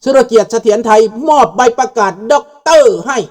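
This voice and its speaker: A man's voice: very high voice, a little fast, a little mellow. An older man giving a fiery political talk, mixing Thai and Lao and often asking the audience questions. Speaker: political commentator. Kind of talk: impassioned political monologue. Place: abroad, outside Laos.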